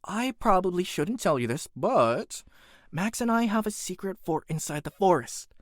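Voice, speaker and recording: A performer voicing an earnest, dutiful young blacksmith's apprentice and student in an animated character reel, conversational and expressive. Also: mid-range voice, normal speed, dry recording, clean studio sound, close to an everyday voice. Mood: casual.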